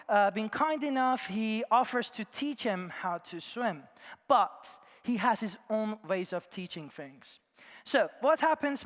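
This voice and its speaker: A man from Iran, preaching a sermon in an earnest storytelling way, his phrases often trailing off softly at the ends. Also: very high-pitched. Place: large church. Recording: long church reverb.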